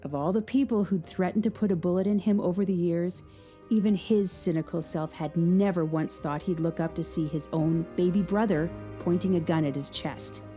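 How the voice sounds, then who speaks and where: A woman narrating a dramatic story in a measured, scripted way. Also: fairly low pitch, warm tone, faint music behind.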